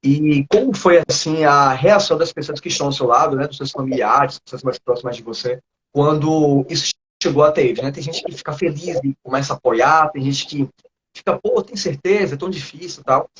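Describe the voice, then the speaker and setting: A man with a Northeastern Brazilian accent, a teacher interviewing a student over a video call, talking in a relaxed, chatty way and laughing often. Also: on the high side, brisk, lo-fi sound, a little hiss or hum.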